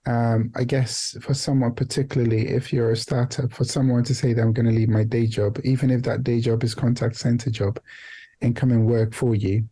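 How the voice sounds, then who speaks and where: A man with a dark, relaxed tone and a middling pitch talks as a podcast guest. He is reflective and hesitant, often restarting a phrase or dropping in "you know" while he works out his point. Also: fairly quick, husky. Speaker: guest, founder and CEO of a non-profit organization. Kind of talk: reflective podcast interview talk.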